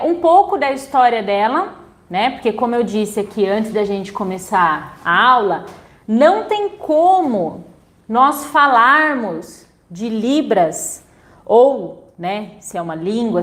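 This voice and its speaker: Chatty Brazilian woman teaching a class. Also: fairly high pitch. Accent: Brazilian Portuguese. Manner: chatty, frequent "né?" tags. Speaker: sign language teacher. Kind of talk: online class talk.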